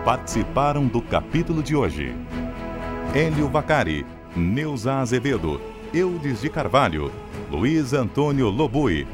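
A man announcing scripted radio drama credits in a formal, declamatory manner. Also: medium pitch. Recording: music bed behind announcement.

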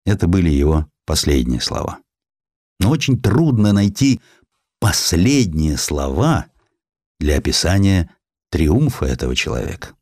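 A man narrating a literary historical sketch as an audiobook, in an expressive, measured, dramatic storytelling manner. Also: deep voice, no echo, studio quality.

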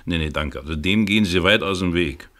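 An actor playing a wily, chatty black-market fixer in a 1970s German radio crime drama, teasing and theatrical with a knowing manner. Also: male voice, deep voice, a little fast, fairly bright tone. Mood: amused, warning.

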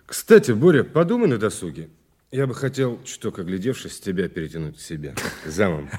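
Urbane prosecutor, deep mellow voice, playful irony, audio play. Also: male voice, big pitch swings, brisk, breathy edge, heavily acted. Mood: confiding, persuasive. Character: urbane, playful male investigator, newly promoted to prosecutor. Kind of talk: naturalistic audio drama dialogue.

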